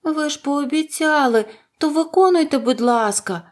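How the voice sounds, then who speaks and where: A woman's voice: sits high, animated, fairly quick, warm tone, voice pushed up. A woman voicing an earnest young girl in a children's audiobook, exclaiming indignantly.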